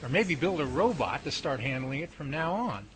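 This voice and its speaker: A man's voice: a little high, sing-song, normal speed, a bit bright. A man playing a wisecracking, folksy lab assistant in an amateur radio drama. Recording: noisy amateur recording.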